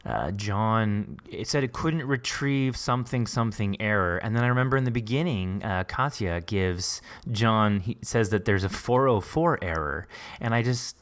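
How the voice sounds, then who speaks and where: Low-voiced man hosting a casual interview. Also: moderate pace, hardly any pauses, fairly bright tone. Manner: enthusiastic, informal, rambling questions. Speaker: podcast host interviewing a writer.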